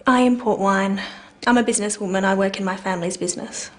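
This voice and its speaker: A young businesswoman in her twenties, played by a woman, answering questions in short, polite replies. Her voice sits at an ordinary pitch. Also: steady tone, quick pace, lightly acted. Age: 20s. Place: small office set, indoors.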